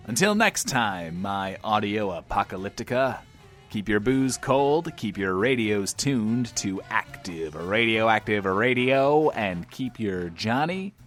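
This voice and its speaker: Low, swooping, cocky wasteland DJ. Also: male voice, fairly bright tone, full character voice. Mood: breezy, mock-sincere. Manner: smug, flippant, talks of himself in third person. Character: cocky, sleazy wisecracking radio DJ of a post-apocalyptic wasteland. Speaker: radio host. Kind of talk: in-world radio show patter, audio drama.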